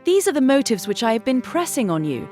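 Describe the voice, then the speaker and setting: A woman acts out a self-assured young gentlewoman from a period novel. Her pitch rides high and swings expressively as she makes emphatic, affectionate points in careful phrases, over faint music. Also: very animated, a little fast. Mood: earnest, pressing. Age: young adult. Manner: earnest, emphatic, articulate. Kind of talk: dramatised classic novel audiobook acting.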